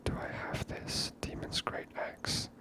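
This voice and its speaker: A man's voice: takes it slowly, bright, forceful tone. A man giving whispered ASMR gameplay commentary close to the microphone, unhurriedly thinking aloud. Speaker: ASMR gaming host.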